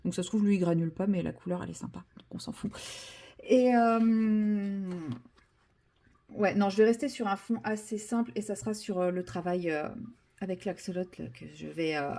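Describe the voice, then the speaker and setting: A chatty woman talks her way through a painting session, stopping and restarting her thoughts with plenty of filler words. Her voice is mellow and warm, never sharp. She keeps a casual, self-mocking tone. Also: medium pitch, fairly even intonation, moderate pace. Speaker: vlogger. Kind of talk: casual chat while painting.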